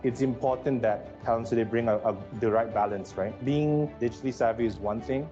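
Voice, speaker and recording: A man's voice: mid-range voice, a little fast, dark tone. A man in a corporate role speaking in a promotional interview, thoughtful and conversational. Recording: dull lo-fi audio with music bed. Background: background music.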